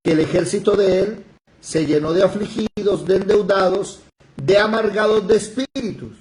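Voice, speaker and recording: A man teaching a live Bible study, explaining verses in a lively way and stopping the reader to comment. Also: sits high, normal speed, a little hiss or hum, low-quality recording.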